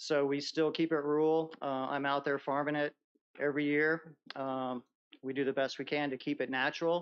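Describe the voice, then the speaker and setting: A fairly high-pitched man talks in a monotone, flat intonation. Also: moderate pace. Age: 60s. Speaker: public commenter, farmer. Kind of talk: public comment at county meeting. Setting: county board meeting.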